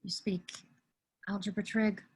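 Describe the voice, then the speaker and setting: A woman playing an awkward, excitable, friendly teenage boy in a virtual table read. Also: mid-range voice, a little slow, slightly rough. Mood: chatty, friendly.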